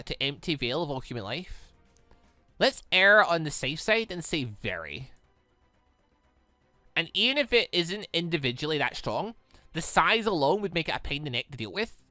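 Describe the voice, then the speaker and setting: A man hosting a let's play, reading visual novel dialogue aloud in an animated way and reacting excitedly as he goes. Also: on the high side, dry recording. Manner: animated, stumbles while reading and exclaims at the story.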